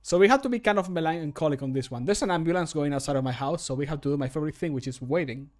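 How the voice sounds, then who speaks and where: A man in his thirties with a fairly high voice chats casually as a streamer at home. His manner is joking and self-deprecating, with loose swearing. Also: very fast, a little mellow. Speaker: streamer recording mod voice lines. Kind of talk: casual livestream chat. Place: indoor home room.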